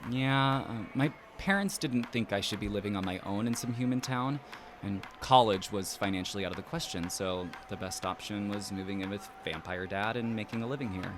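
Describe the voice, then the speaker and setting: A man's voice: lowish voice, brisk, natural voice. An actor playing an easygoing, friendly but hesitant young man in a naturally acted audio drama. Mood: wistful, apologetic. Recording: clear outdoor ambience noise behind voice.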